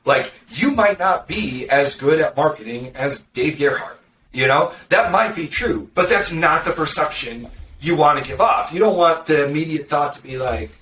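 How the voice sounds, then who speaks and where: A man's voice: fairly high pitch, animated, normal speed, fairly bright tone. A man talking as a podcast guest in casual conversation, sarcastic and snarky, acting out other people's reactions as he talks. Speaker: podcast guest, marketing consultant. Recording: roomy, distant mic with faint background noise.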